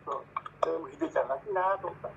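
A man's voice: high-pitched, rapid-fire, creaky, highs cut off. A man appearing as a guest in a casual live-stream chat, earnestly giving preachy life advice.

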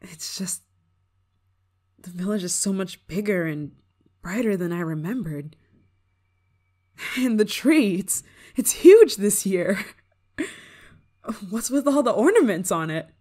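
A woman's voice: mid-range voice, sing-song, slow, pauses often, dark tone. A woman playing a prickly, homesick young performer in an ASMR roleplay, grudging in manner but secretly fond of an old friend. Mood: amazed, amused. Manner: tsundere, grudging, sighing, secretly affectionate. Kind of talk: ASMR roleplay, acted monologue to listener.

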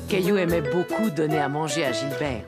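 A woman narrating a scripted children's story as an expressive storyteller. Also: low-pitched, a little fast. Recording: loud music behind the voice.

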